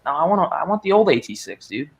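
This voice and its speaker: A man hosting a casual chat, excitable and saying dude a lot, swearing now and then. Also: on the high side, quick pace, gravelly, muffled recording. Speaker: channel host.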